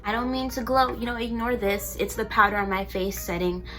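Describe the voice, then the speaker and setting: A young woman chats straight to a camera mic while doing her makeup, blunt and heated, with plenty of swearing. Her voice is bright and forceful and sits a little high, with faint music underneath. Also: a little fast. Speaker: beauty vlogger. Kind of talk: casual vlog chat while doing makeup.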